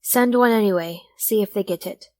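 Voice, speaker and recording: Practical, medium-pitched heroine, played by a woman. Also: normal speed, mellow, natural voice.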